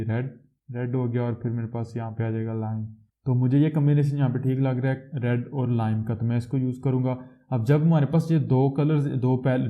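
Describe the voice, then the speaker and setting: A man walks through a programming tutorial in a flat, even voice that barely rises or falls. He explains each step patiently, often stopping to correct himself. The sound is thin and tinny, like a phone line. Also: mid-range voice. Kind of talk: screen-recorded coding tutorial.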